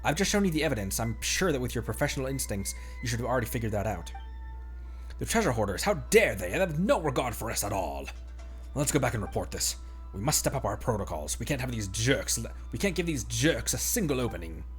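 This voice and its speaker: An earnest male police officer from a video game, read out by a man. He is stern, formal and indignant, in a mid-pitched voice with lively movement, over faint music. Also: fast, close to an everyday voice. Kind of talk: reading game dialogue aloud.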